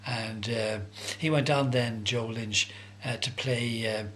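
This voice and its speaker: A man's voice: medium pitch, steady tone, slow pace, fairly bright tone, a little hiss or hum. Older Dublin man reminiscing, hesitant and conversational. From Dublin, Ireland. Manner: hesitant, conversational, searching for words. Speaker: interviewee recalling his youth. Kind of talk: casual reminiscing.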